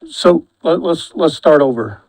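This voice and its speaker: Brief: male commissioner chairing a public meeting, voice sits a bit high, halting repeats. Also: lively intonation, darkish tone, poor audio. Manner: halting, repeats words when restarting. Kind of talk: formal meeting procedure. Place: county meeting room.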